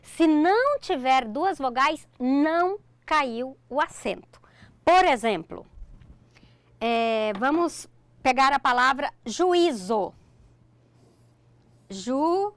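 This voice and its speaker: Slow and animated, with a voice that sits high, a middle-aged Brazilian woman with a Brazilian Portuguese accent teaches a recorded online grammar lesson on a dry recording. She explains each step in turn and repeatedly checks in with "ok?".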